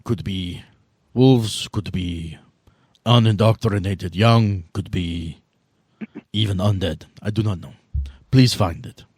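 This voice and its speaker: A man playing a proud, formal vampire official who is weary of bureaucracy and speaks in measured phrases. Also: sits low, darkish tone, slightly rough, dry recording, clean studio sound, full character voice. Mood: businesslike.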